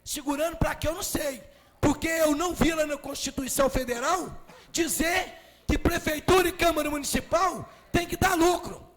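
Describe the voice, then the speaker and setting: A Brazilian city councilman with a Minas Gerais accent giving a forceful, emphatic speech in the council chamber, often raising his voice. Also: extremely high pitch, normal speed. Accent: Brazilian Portuguese, Minas Gerais. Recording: reverberant chamber with faint music.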